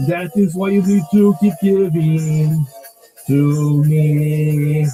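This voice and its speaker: A sick, lonely trucker streamer, hoarse and scratchy-throated, whines and begs for donations, as a man plays him. His voice sits high for a man and comes out dark and mellow. He drawls slowly, with faint music underneath. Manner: whiny, self-pitying, coughing. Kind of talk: comic parody clip.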